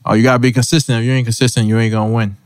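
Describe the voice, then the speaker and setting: A man's voice: mid-range voice, little pitch movement, very fast, clean tone, no echo, clean studio sound. A man, a guest on a casual podcast, speaking easygoing and confident and often asking "you know what I mean". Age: 20s. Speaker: party promoter guest.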